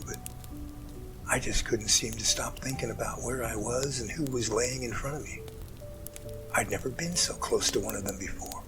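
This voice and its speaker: An earnest male rescuer, played by a man, tells his story in an amateur audio drama. His delivery is halting, dramatic and full of feeling, at an ordinary middle pitch. Music runs clearly beneath the voice. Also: lightly acted, low-quality recording. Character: emotional male mountain rescuer recounting a harrowing rescue. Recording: music bed under the voice.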